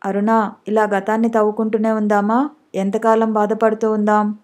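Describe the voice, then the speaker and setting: A woman voicing a gentle, devoted husband who soothes and reassures his sick wife, in an audiobook. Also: mid-range voice, completely flat delivery, moderate pace, natural voice. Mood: soothing.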